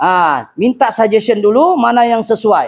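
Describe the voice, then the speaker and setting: A man's extremely high-pitched voice, fairly slow in pace, with ordinary pitch variation over a quiet background. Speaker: car mechanic. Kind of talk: workshop tutorial. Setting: car workshop. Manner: loud.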